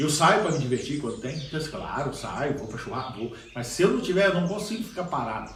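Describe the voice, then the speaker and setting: Fairly quick speech from a man with a fairly high voice and very wide pitch swings, with audible room echo and noticeable background noise. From rural Espírito Santo, Brazil. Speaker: orchid grower. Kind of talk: casual chat. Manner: loud.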